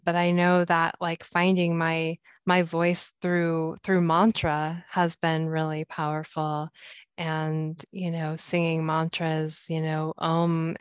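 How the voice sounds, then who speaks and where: A woman co-hosting a podcast, responding in a calm, reflective and measured way. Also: fairly low pitch, clear, resonant tone, dry recording. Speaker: podcast co-host. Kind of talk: casual chat.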